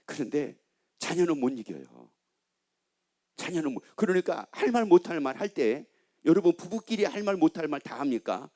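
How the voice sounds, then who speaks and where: A middle-aged man preaching a sermon in a fairly high voice that leaps up and down. He quizzes the congregation and answers his own questions. He slips into the voice of a scolding father. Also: normal speed. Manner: animated, acts out a scolding father's lines; asks the congregation questions and answers them himself. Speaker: pastor.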